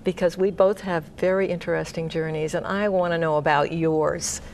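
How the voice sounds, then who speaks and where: A woman hosts a conversational interview in a chatty, effusive way. Her voice sits a little low, and she cuts in often with small reactions. A faint hiss of noise runs under the recording. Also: fairly even intonation, moderate pace, darkish tone. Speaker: host. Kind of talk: casual interview chat.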